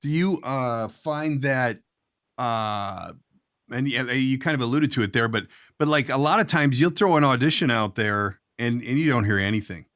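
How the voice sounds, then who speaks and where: A man's voice: medium pitch, normal speed, fairly bright tone. A man hosting a podcast, asking rambling, folksy questions in casual conversation. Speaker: podcast host, voice actor. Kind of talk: casual interview chat.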